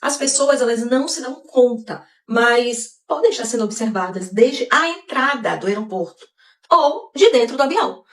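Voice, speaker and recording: Woman reading a script, measured explainer tone, kinda high voice, far from the mic in an echoey room. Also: lively intonation, fairly bright tone. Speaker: video narrator. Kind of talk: scripted narration.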